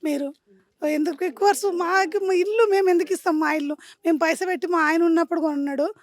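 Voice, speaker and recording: A woman's voice: very high-pitched, fairly even intonation, fast talker. A widowed woman with a Telangana Telugu accent pleading in despair during a street interview. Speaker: widowed resident.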